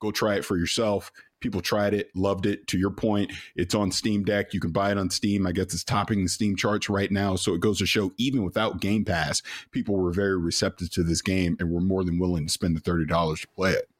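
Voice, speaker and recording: His voice sits very deep and low. This man delivers his words fairly quickly. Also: fairly even intonation, very even loudness, dry, close sound with no echo. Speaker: gaming podcast host. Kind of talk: casual chat. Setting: remote call.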